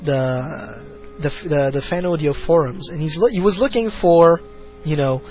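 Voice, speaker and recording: A man's voice: fairly high pitch, normal speed. A man hosting a casual fan talk show, rambling with plenty of fillers and restarts. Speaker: podcast host. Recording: muffled lo-fi audio with faint music.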